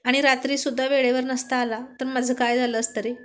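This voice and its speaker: A woman's voice: sits high, flat delivery, fairly quick, natural voice. Woman voicing a caring young wife. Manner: gentle, caring.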